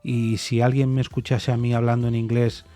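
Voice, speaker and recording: A man with a dark, relaxed voice thinks out loud on his podcast, circling his point with restarts and soft repeated no's. A faint music bed runs quietly under him. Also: medium pitch, moderate pace. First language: Spanish. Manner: thoughtful, hesitant, many restarts and repeated "no". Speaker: podcast host. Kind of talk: reflective solo opinion monologue.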